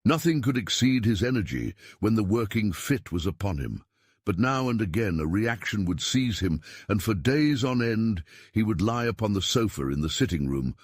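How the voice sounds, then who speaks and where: A man reading a literary story as narrator, in a measured, formal storytelling manner. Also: lowish voice, expressive, darkish tone, no room sound, clean studio sound. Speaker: audiobook narrator.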